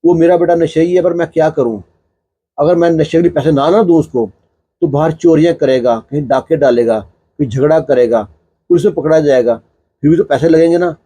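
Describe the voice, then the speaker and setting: A man voices a worried older mother-in-law in a spoken story, apologizing in a rush. The tone is husky and dark, with a slightly high pitch. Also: dry recording. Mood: apologetic.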